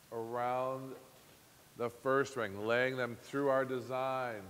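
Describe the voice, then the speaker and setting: This man speaks at a medium pitch. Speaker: floral design teacher. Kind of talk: tutorial. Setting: flower design school classroom. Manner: fast talker. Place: shop.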